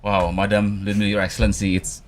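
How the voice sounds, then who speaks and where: A man's voice: lowish voice, completely flat delivery, quick pace. A man with an Indonesian accent hosting a radio talk show in the studio, opening with enthusiastic greetings and asking questions. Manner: enthusiastic, frequent mm-hmm backchannels. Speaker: radio host.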